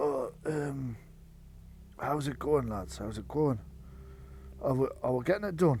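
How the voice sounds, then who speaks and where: In a put-on character voice, a man sounds gravelly and hoarse at a medium pitch, talking at a moderate pace with long, frequent pauses over clear background noise. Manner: casual, hesitant.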